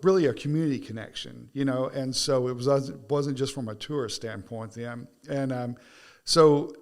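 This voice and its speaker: A man's voice: medium pitch, normal speed, a little mellow. A man hosting a podcast interview, chatting casually and joking, often trailing off and restarting sentences. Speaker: podcast host.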